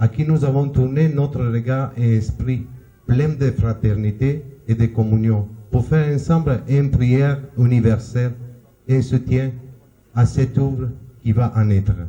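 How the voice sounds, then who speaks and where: A man's medium-pitched, somewhat breathy voice with a dark, mellow tone and a non-native accent, at a fairly slow pace with long, frequent pauses, very even loudness, and fairly even intonation. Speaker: charity founder. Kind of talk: reading aloud. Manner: halting.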